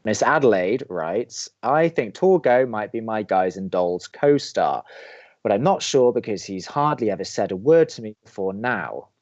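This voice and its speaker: A man acts out a young, sardonic college radio co-host in a podcast drama. His voice sits fairly low, and he delivers advice with dry skepticism and fussy precision. The sound is a little dull. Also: animated, moderate pace, a little mellow, lightly acted. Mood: dry, mocking. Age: young adult. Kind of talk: scripted audio drama banter.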